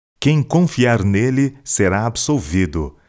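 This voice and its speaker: In a very clean recording with a silent background, a man speaks very slowly at medium pitch, his pitch swinging very widely. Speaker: preacher. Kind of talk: devotional sermon. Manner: earnest, warm, persuasive; measured, teaching cadence.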